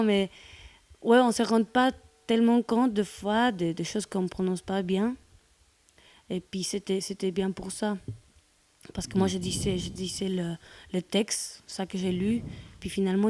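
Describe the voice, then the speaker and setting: A woman's voice: mid-range voice, steady tone, moderate pace, darkish tone. A woman who is an amateur actor speaks casually and candidly in an interview. Her voice is mid-range. Faint background noise and clicks sit behind her. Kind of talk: interview answers.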